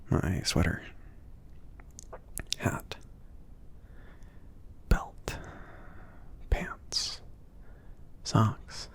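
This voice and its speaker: Easygoing mage shopkeeper, male actor, ASMR roleplay: low, slow, hesitant half-whisper, softly teasing and bashful, breathy with some gravel. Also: full character voice. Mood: casual, reminiscing. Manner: hesitant, rambling, gently teasing.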